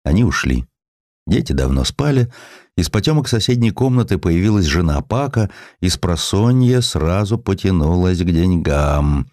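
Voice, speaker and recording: Deep-voiced man narrating, expressively varied. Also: moderate pace, no room sound, clean studio sound. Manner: literary, expressive storytelling. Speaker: audiobook narrator. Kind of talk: scripted dramatic narration of historical sketches.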